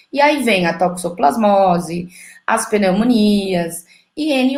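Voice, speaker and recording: A somewhat breathy woman's voice with lively intonation and audible room echo. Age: 30s. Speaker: podcast guest living with HIV. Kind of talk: personal testimony and health explanation in a podcast interview. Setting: podcast studio with cameras. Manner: casual, conversational.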